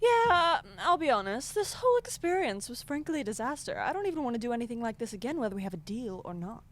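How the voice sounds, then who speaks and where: A woman's voice: a little high, sing-song, fast. A woman playing a comically evil, child-eating witch in a radio play, theatrical and easily flustered. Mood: stunned, awkward. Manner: theatrical cackling, flustered asides. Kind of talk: comedic audio drama acting.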